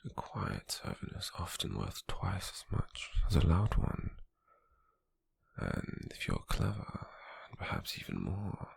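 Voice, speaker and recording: A British man playing a possessive, calculating, smug slave merchant in a hushed ASMR roleplay, with a husky, breathy, gravelly voice and a slow, deliberate delivery. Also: deep voice, wildly swooping pitch, no room sound, exaggerated voice. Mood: intrigued, approving. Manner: slow, deliberate, with lingering pauses.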